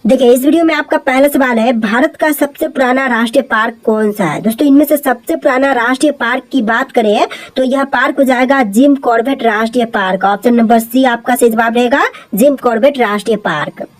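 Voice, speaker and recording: A woman with a Hindi accent reading out quiz questions and answers, repeating each answer in a steady, explaining way. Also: a little high, a little fast, few pauses, rough recording. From India. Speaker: quiz presenter.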